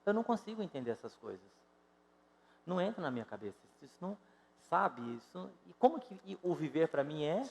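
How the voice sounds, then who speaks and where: A fifty-something Brazilian pastor preaches with a slightly high-pitched voice, calling out to the congregation and then dropping to near-murmurs. His voice rings with the long reverb of a church hall. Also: big pitch swings, fairly quick, gravelly. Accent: Brazilian Portuguese. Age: 50s. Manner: emphatic, rises and drops sharply in loudness, addresses congregation directly. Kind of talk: sermon. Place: church sanctuary.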